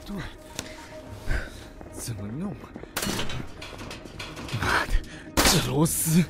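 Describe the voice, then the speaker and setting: An actor playing a crude, threatening, cornered criminal in a radio drama, muttering and swearing gruffly, with music over him. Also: male voice, fairly high pitch, very animated, drawn-out words, full character voice. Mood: frustrated muttering. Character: cornered male criminal gunman, crude, foul-mouthed, threatening. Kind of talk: Mandarin radio drama acting.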